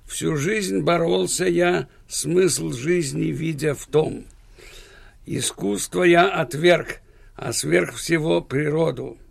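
A man, a guest author on a radio show, hesitating with fillers and reciting short verse slowly. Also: fairly high pitch, gravelly, no echo. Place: radio studio.

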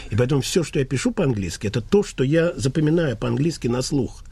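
A man's voice: mid-range voice, animated, fast talker, creaky, warm tone, breathy edge. A man who is a guest writer on a talk show, speaking earnestly and modestly.

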